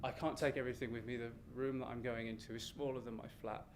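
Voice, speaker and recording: A man's voice: medium pitch, level tone, lightly acted. Man acting out a frail, pleading old British man. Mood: halting, sad. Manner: pleading, halting, fussy. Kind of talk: acted quote within live storytelling. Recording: noisy live venue recording.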